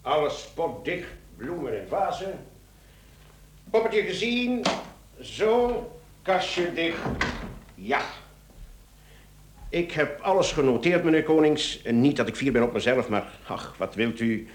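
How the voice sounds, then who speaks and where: A man with a very animated, swooping voice a police inspector in a radio drama. He is chatty and apologetic, feigning bumbling politeness while slyly probing. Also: a little high, takes it slowly, pauses often, background noise. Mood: wry, sly. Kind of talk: radio play acting.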